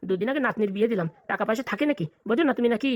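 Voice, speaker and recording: Woman playing a fast, blunt old village grandpa. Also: a little high, animated, muffled recording. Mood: scolding. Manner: scolding, blunt, colloquial. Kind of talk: comic cartoon dialogue.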